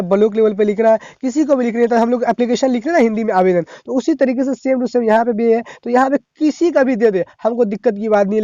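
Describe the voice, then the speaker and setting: Male tutor, high mellow voice, chatty and repetitive, lo-fi recording. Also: no echo. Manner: chatty, repeats "thik hai" and "hai na"; talks fast, stumbles over words. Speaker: teacher. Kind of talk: casual tutorial. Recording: dull lo-fi sound.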